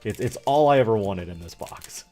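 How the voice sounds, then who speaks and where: A man in his thirties talks in an animated, rambling, jokey way, like a streamer casually chatting to his viewers. His pitch jumps around freely. Music plays faintly behind him. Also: a little fast. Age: 30s. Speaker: streamer opening trading card packs. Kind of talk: casual livestream chat.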